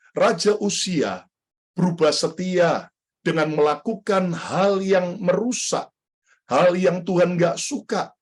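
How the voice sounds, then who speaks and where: Lively, fairly high-voiced male pastor preaching. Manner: lively, repeatedly addresses the congregation, jokey storytelling. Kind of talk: sermon.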